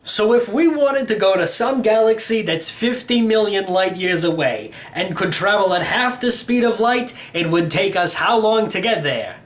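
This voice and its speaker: A man's voice: sits high, animated, moderate pace, hardly any pauses. A man voicing an elderly, eccentric, brusque uncle from a storybook, teaching by firing off emphatic questions. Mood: brisk, lecturing. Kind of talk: storybook character reading.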